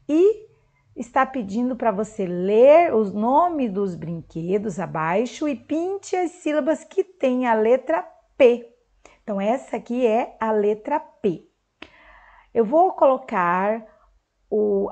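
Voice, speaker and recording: A woman teaching a recorded lesson to young children in Brazilian Portuguese, speaking clearly and drawing out words for them. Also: on the high side, warm tone. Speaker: primary school teacher.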